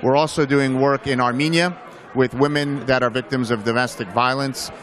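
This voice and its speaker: A man's voice: mid-range voice, fairly even intonation, moderate pace, a bit bright. A man in an interview, earnestly explaining the origins of his film and his organization's work. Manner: earnest, explanatory, some restarts. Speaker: film producer and foundation head.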